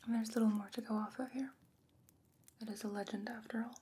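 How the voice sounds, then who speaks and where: A woman playing a concerned, candid fantasy scholar in a whispered ASMR roleplay, speaking in a deliberate, musing way. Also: a little high, flat delivery, dark tone, husky. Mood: hushed musing. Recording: noticeable background noise and ambience.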